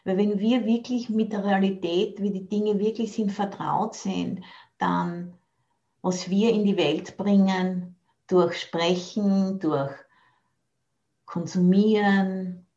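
A woman's voice: medium pitch, steady tone, slow, dark tone, lo-fi sound. A woman giving a Buddhist dharma talk over a video call, thoughtful and searching for words. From Austria. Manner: thoughtful, searching for words, mixes in English phrases. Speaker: Buddhist nun teacher.

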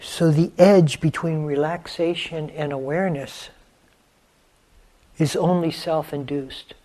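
An older man in his seventies leads a guided meditation in a gentle, unhurried way. He speaks very slowly, leaving long silences between short phrases. His voice sits a little higher than most men's. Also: steady tone. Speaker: meditation teacher.

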